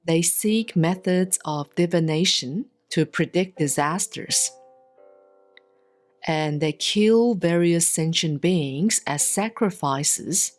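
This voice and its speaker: A woman giving a solemn, scripted reading of scripture in measured, deliberate phrases with frequent pauses. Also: fairly low pitch. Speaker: sutra reader, Buddhist nun.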